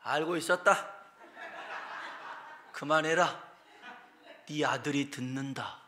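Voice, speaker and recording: Blunt old country father, short gruff phrases, bright-toned , as a male pastor puts him on. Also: fairly high pitch, slow pace, slight background noise. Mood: firm. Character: gruff old rural father, plain-spoken and quietly knowing.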